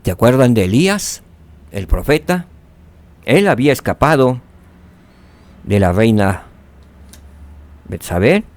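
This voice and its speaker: A man teaching a scripture lesson, asking rhetorical questions and dropping to soft tones for emphasis. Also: mid-range voice, very animated, slow pace, long pauses.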